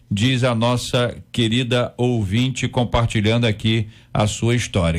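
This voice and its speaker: A man hosting a radio debate, reading listener messages in a jovial, chatty way. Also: mid-range voice. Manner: jovial, chatty, exclaims aloud. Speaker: radio host.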